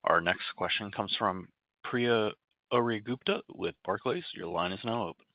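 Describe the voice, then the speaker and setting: Man, conference operator, scripted announcements, fairly low pitch, dry, slightly lo-fi call audio. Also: normal speed, dry recording. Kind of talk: scripted call instructions and introductions. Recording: slightly dull phone line.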